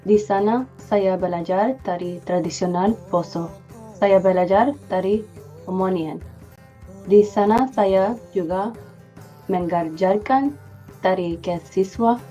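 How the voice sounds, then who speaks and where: Woman, medium-pitched and mellow, delivering a prepared self-introduction. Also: slow, muffled recording, faint music behind. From Philadelphia, United States. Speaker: dancer.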